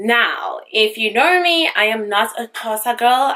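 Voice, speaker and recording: With a South African accent, a woman speaks in a raised, projected voice. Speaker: beauty youtuber. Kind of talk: makeup tutorial. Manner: animated.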